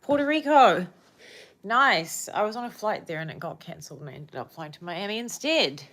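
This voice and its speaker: A woman's voice: mid-range voice, expressive, moderate pace, fairly bright tone. A young woman with a New Zealand accent chatting casually with viewers on a livestream, rambling and often searching for words.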